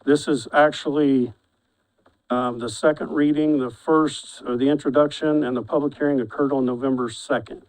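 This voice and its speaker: A man's voice: medium pitch, steady tone, darkish tone, poor audio. A man chairing a county commissioners' meeting, reading agenda items and restarting his sentences often. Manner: halting, repeats words when restarting. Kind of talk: formal meeting procedure.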